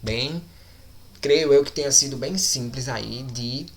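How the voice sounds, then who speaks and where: A man teaching English grammar in a recorded online lesson, explaining slowly and deliberately and often checking in with his students. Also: medium pitch. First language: Portuguese.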